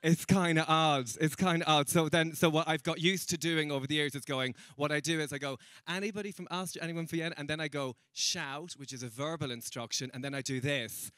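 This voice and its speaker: A man's voice: a little high, steady tone, brisk, hardly any pauses, bright, forceful tone, dry recording, clean studio sound. A young man doing a stand-up comedy set, chatty and teasing with the crowd and laughing at his own jokes. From Ireland. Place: comedy stage in a room with an audience.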